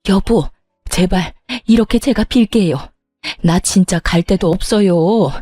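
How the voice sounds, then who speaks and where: A woman reads out a desperate young husband who begs and whines, self-serving to the core. The voice sits mid-range and sounds mellow and dark, close and dry, as in an audio storybook. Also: mid-range voice, a little slow, no echo, faint music behind, close to an everyday voice. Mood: pleading. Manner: begging, whiny.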